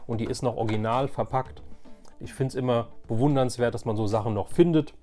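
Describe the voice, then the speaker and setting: A man's voice: medium pitch, fairly quick, mellow, soft background music. A man chatting casually and enthusiastically to viewers as he hosts a video about his collection. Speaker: YouTube toy collector, host.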